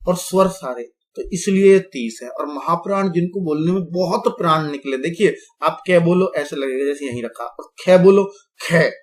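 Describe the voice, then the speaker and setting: A man teaching grammar to an online class, his voice sitting a little high for a man. He moves step by step, keeps checking in with his viewers, and voices each sound aloud to show how it is made. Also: moderate pace. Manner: explains step by step, repeating "theek hai" and addressing viewers as friends; demonstrates sounds aloud while pointing at written letters. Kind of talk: classroom-style explanation to viewers.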